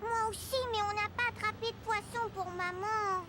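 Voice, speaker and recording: A performer voicing a curious, excitable four-year-old boy in a children's cartoon, with a childlike, inquisitive delivery. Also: extremely high pitch, normal speed, very noisy. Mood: eager.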